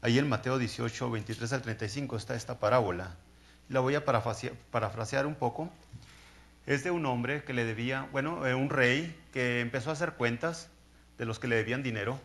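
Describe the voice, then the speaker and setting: A man's voice: medium pitch, fairly quick, fairly bright tone. A man preaching a sermon, telling the story in a conversational way and often checking in with his listeners.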